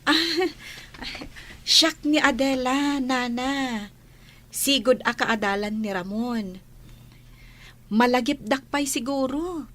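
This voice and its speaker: A woman with an Ilocano Filipino accent playing a polite, gentle young schoolteacher in a radio drama. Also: high voice, takes it slowly, long pauses.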